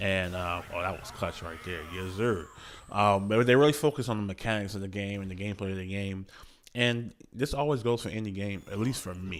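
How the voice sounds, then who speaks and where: The speech is mumbled at a fairly quick pace, with big swings in loudness. Pitch varies in an ordinary way. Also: man, fairly low pitch for a man. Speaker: gaming youtuber. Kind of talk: casual gameplay commentary. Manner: mumbling.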